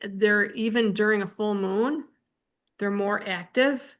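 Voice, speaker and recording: Over a quiet background, a woman talks at a fairly slow pace in a fairly high voice with fairly even intonation. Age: 60s. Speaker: spiritual healer and channel host. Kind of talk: casual chat.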